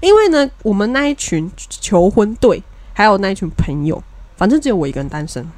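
A woman, co-hosting a casual podcast and telling a story with animated energy, acting out what her friends said. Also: medium pitch, fairly quick, dry recording. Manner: animated storyteller who acts out friends' lines. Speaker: podcast co-host.

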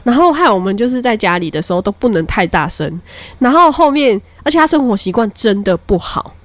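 A woman's voice: on the high side, brisk, no room sound. A young woman, co-hosting a podcast in casual chat and speaking directly to listeners. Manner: expressive, addresses listeners directly. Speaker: podcast co-host.

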